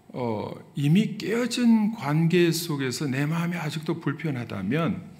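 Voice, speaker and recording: A middle-aged man, a pastor, preaching a sermon and telling a story, his voice swinging from soft to loud. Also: fairly high pitch.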